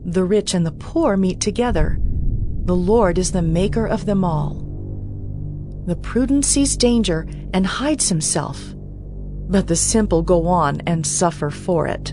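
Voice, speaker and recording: A woman reading scripture in a measured, composed manner, as in a dramatized Bible audiobook. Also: lowish voice, expressive. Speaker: scripture reader. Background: background music.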